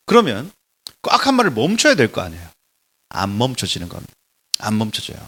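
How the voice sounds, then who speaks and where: A man preaching a lecture-style sermon in a church, emphatic and animated, swinging between loud exclamations and soft drops. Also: medium pitch. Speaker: pastor giving a Bible lecture.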